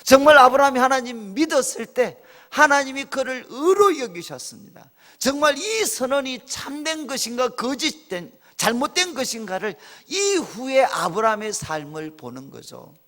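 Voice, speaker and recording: A male pastor preaches an animated sermon with a high, very lively voice. He tells stories with acted-out quotes, and long reverb fills the church hall. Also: moderate pace. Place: church sanctuary.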